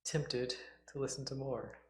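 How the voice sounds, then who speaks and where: A man's voice: medium pitch, steady tone, measured pace, fairly bright tone, echoey room. A man hosting a livestream, giving casual, joking, offhand reaction commentary. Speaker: livestream host reacting to old radio shows.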